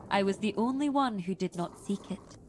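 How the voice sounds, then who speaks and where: A woman voicing a proud, reluctant tribal chieftain in a fantasy game, speaking in deliberate, formal, wary phrases. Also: medium pitch, lively intonation, darkish tone, a little hiss or hum, close to an everyday voice. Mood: wry, guarded. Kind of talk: dramatic fantasy game dialogue. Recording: music behind the voice.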